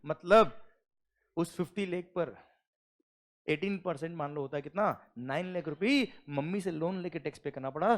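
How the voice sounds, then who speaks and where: A middle-aged man teaching tax law in a classroom. His voice sits high and swings widely as he acts out a story and fires questions at his students. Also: a bit bright. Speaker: GST lecturer. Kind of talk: classroom lecture with acted anecdote.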